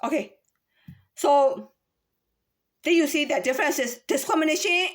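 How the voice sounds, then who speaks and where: A woman's voice: sits high, a little slow. A woman from Myanmar in a casual, rambling monologue to camera, full of rhetorical questions and restarts. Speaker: vlogger.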